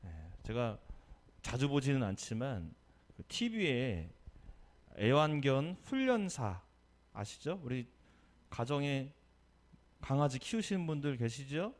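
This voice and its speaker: A male pastor giving a Sunday sermon, telling a story with lively energy and asking the congregation questions. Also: mid-range voice, takes it slowly, long pauses. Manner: animated storytelling, acting out quotes.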